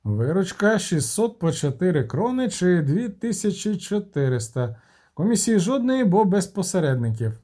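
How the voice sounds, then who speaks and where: A man's voice: high-pitched, big pitch swings, moderate pace, warm tone, pitched above the performer's own voice. A man doing a shrewd, cheerful halfling trader. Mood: calculating. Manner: precise, reckoning figures.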